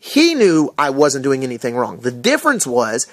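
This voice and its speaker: A man's voice: mid-range voice, huge pitch swings, moderate pace, a bit bright, no echo, clean studio sound. An American man casually recounting an incident to camera in a rambling, indignant rant full of fillers. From USA.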